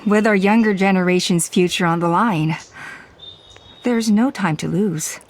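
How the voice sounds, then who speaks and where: A woman's voice: mid-range voice, natural voice. A woman voicing a dignified tribal elder in a game, speaking formally and courteously. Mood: earnest. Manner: formal, measured, apologetic.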